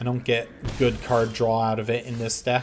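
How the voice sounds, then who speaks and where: A quiet man speaks at a fairly slow pace and medium pitch, with noticeable background noise and audible room echo. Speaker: gaming youtuber. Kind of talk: gameplay commentary. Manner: casual with filler words.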